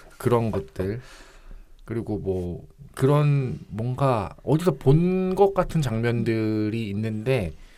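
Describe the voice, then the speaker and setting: A man speaks with a dark, mellow tone at a medium pitch. He goes at a very slow pace with very wide pitch swings. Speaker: podcast co-host. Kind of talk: book review podcast talk.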